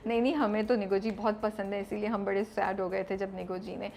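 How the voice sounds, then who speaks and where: A woman's voice: mid-range voice, flat delivery, fairly quick, vocal fry, a little mellow, slight background noise. A woman with a Pakistani accent doing a casual interview, probing and moving between two languages. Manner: mixes Urdu and English, probing.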